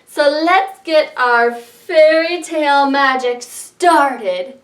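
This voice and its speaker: A woman with a high, very lively voice leads a fairy tale opening for children's storytime. She speaks slowly and addresses the kids directly, like a librarian hosting them. The sound is roomy and echoey. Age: adult, parent of young kids.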